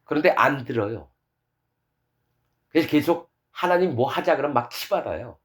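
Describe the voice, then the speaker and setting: Emphatic Korean preacher with a lively voice. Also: male voice. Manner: emphatic preaching, swinging between loud peaks and low quiet drops; quotes scripture in a slow, solemn reading voice. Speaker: pastor. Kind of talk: sermon.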